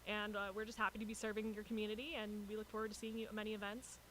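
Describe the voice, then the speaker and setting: A woman with a bright, forward voice at middle pitch introduces herself at a public meeting as a district representative. There is slight noise in the room. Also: little pitch movement, rapid-fire, rough recording. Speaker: district representative of a state senator. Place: city council chamber, public meeting. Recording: noticeable background room noise.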